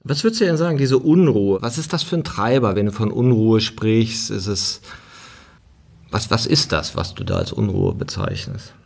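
A man who leads seminars, talking thoughtfully in a relaxed conversation and often ending phrases with a questioning tag. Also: on the low side, normal speed, gravelly. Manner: thoughtful, tags sentences with "ne". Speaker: seminar leader. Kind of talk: reflective conversation.

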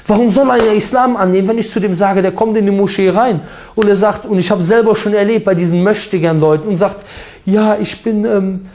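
A man preaching a sermon with emphatic, forceful delivery, mixing in Arabic recitation. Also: high-pitched, quick pace.

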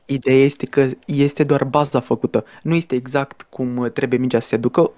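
A man, steadily explaining game features and guiding another player. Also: mid-range voice. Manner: steady instructive, brief laughs. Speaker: game server staff presenting features.

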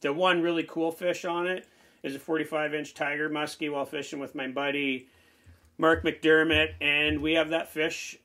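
Bright-voiced chatty fishing host. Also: male voice, on the high side, flat delivery, normal speed. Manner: chatty, rambling, enthusiastic. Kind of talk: casual show-and-tell walkthrough. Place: small indoor man cave packed with lures.

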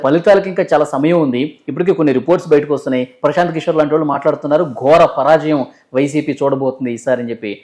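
A male interview host who speaks extremely quickly in a moderately high voice. He strings points together into long leading questions, in a conversational news-discussion style. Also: darkish tone. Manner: long leading questions, frequent short acknowledgements.

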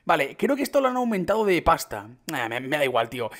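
A young man with an accent from Spain, reacting to a game update and talking it through for his viewers, keeping his voice down late at night until excitement breaks through. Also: a little high, fast. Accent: Spain Spanish. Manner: hushed and restrained, bursting into excited exclamations. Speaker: gaming youtuber.

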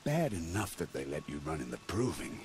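An actor playing a bitter, contemptuous tribal war chief in a video game, scornful and commanding. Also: male voice, extremely low pitch, very animated, a little fast. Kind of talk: dramatic video game dialogue.

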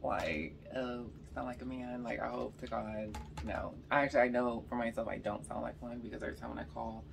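A young woman from Georgia with a slight Californian accent and a slightly raspy voice, chatting casually between bites while eating on camera. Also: rumbling low, a little fast, distant mic, slight background noise. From Georgia, US South. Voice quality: a little raspy. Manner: chatty storytelling between bites, lots of "like" and "y'all". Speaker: mukbang vlogger. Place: bedroom, indoors.

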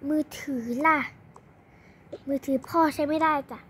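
A woman's voice: sits high, fairly even intonation, a little slow, a bit bright. A young girl improvising a playful dollhouse roleplay drama, acting out every family member's dialogue herself. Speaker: storyteller voicing every character in a toy roleplay video.

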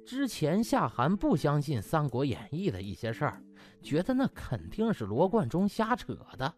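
A man narrating a comic audiobook in an animated, theatrical way with drawn-out emphasis. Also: on the high side, soft background music.

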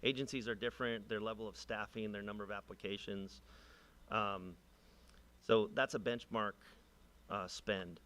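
A man's voice: fairly low pitch, steady tone, normal speed, fairly bright tone, a little hiss or hum. A male consultant answering questions and explaining figures at a public meeting. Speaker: technology consultant.

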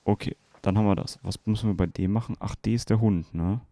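Dark-voiced man commenting on gameplay. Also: lowish voice, steady tone, fast talker, no room sound. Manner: chatty, joking, comments on game details. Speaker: let's play host.

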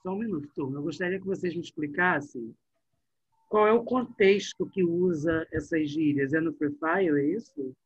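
A middle-aged male teacher, leading an online class in a lively, chatty way and talking straight to his students. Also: on the high side, moderate pace, slightly rough, no room sound. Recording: dull, muffled online class audio.

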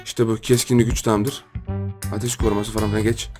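A man doing a loud, exasperated let's-play commentary on a game as its host. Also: flat delivery, fast, loud music behind the voice. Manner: loud, exasperated, jumps to high yells. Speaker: gaming YouTuber.

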